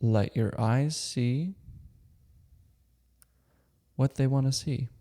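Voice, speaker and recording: A man leading a guided meditation, giving calm, gentle, unhurried instructions with long pauses between short phrases. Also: medium pitch. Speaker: meditation teacher.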